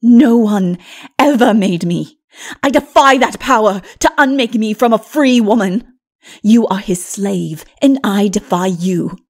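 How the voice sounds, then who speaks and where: A woman voicing a proud, tyrannical princess in a dark fantasy audiobook, with a forceful, haughty delivery. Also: mid-range voice, unhurried. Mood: furious defiance. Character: defiant proud wicked princess, tyrannical and unrepentant.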